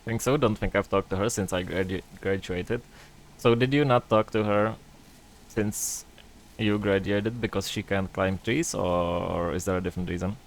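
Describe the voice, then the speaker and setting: A man's voice: low-pitched, steady tone, moderate pace, a little hiss or hum. A man streaming a game, chatting casually with a joking, sarcastic manner. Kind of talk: casual gaming stream chat.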